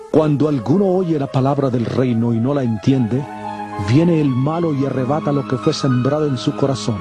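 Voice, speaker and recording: An actor playing a calm, solemn male teacher of parables in a dramatized scripture audio, speaking in a measured, deliberate way. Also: mid-range voice, natural voice. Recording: constant prominent music under the voice. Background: music.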